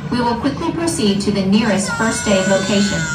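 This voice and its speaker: As clear music plays in the background, a woman talks at a moderate pace. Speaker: train safety announcer. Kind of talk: public safety announcement. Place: train.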